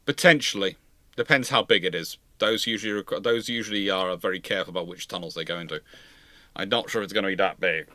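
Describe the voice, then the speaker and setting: A man hosting a casual panel discussion, explaining and speculating in a measured way. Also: low-pitched, sharp tone, no room sound. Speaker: panel host answering viewer questions.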